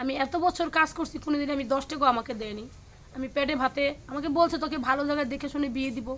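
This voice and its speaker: Her pitch is high. The woman's intonation stays fairly even. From Bangladesh, Faridpur. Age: 30s. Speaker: domestic worker. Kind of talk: personal testimony. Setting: on camera interview. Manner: soft-spoken.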